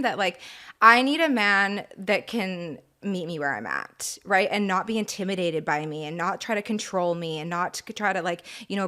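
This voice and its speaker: A woman's voice: mid-range voice, sharp tone. A woman guest on a podcast, talking candidly and emphatically about her life and beliefs. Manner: candid, emphatic, spiritual talk. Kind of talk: casual interview chat.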